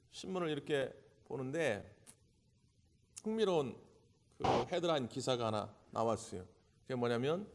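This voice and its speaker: A man pastor preaching a sermon in a church sanctuary, dramatic and animated, acting out the voices he quotes. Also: on the high side. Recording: church hall with long reverb.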